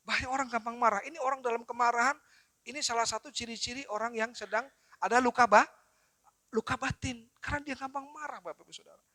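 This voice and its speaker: A man, preaching at a seminar in a lively storytelling way and talking straight to his audience. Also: very high-pitched, quick pace, no echo. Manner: lively storytelling with acted quotes, addresses audience directly. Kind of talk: seminar sermon.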